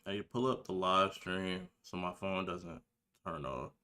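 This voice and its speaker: A nineteen-year-old livestreamer, gamer and reaction video creator talks to his chat in a relaxed, slangy way while he sets up. His voice is low-pitched and bright with a forceful edge, and he speaks without hurrying.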